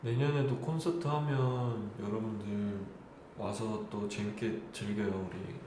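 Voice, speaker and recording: An idol in his twenties hosts a live stream, chatting casually and laughing with fans using polite speech. His voice sits on the low side with fairly even intonation and a measured pace. The room is very echoey with clear background noise.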